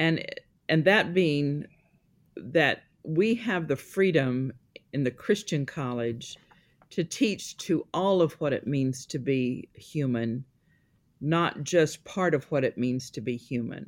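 A woman speaks at a very slow pace in a very deep, low pitch, with long, frequent pauses. Her intonation is lively, and the recording is very clean with a silent background. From US Midwest, Missouri. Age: 60s. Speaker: spiritual formation institute staff, speaker. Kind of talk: interview conversation.

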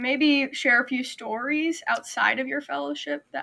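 A woman projects a raised voice at a high pitch, her tone bright and sharp. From Southern Indiana. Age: 20s. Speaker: co-host, ministry student. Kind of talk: podcast interview.

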